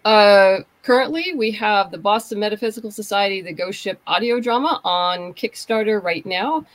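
A woman's voice: medium pitch, moderate pace. A woman talking casually as a guest creator on a podcast. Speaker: podcast guest, comics and audio drama creator.

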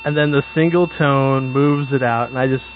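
A man's voice: medium pitch, normal speed, slight background noise. A man giving casual, jokey commentary as an audio drama director. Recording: thin phone-like band-limited sound.

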